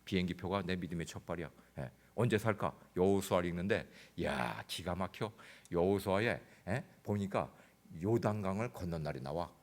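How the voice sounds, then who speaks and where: A man preaching a sermon as pastor, telling a comic story that swings between loud outbursts and hushed, intense passages. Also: deep voice, expressive, normal speed. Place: church sanctuary.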